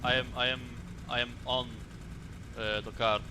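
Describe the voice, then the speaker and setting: A man's voice: medium pitch, flat delivery, moderate pace. A young man, teasing and joking with friends in a game's voice chat. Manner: joking, teasing, laughs easily. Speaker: gamer. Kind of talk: playful in-game voice chat. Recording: game engine noise behind.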